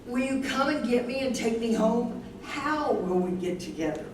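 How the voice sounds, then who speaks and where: A woman's voice: on the high side, animated, normal speed, close to an everyday voice. A woman in a staged reading, playing a devoted, plaintive elderly wife who has Alzheimer's, with earnest delivery. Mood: pleading. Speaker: stage reader. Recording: echoey room, far from mic, background noise.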